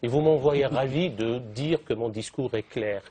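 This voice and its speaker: A man's voice: medium pitch, normal speed, mellow, a little hiss or hum. A man speaking as a guest in a televised debate, eloquent and fond of long, elaborate phrasing. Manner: eloquent, elaborate vocabulary, piles up synonyms.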